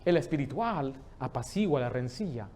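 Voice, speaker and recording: Animated pastor preaching. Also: male voice, mid-range voice, normal speed, breathy edge. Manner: lively storytelling, joking with the congregation. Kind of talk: sermon. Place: church.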